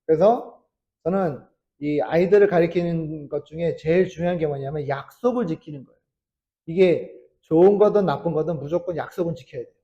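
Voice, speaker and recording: A man in his thirties, a Salvation Army officer preaching a sermon, telling a story with acted quotes and swinging from loud to hushed. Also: a little high, a little fast, lo-fi sound.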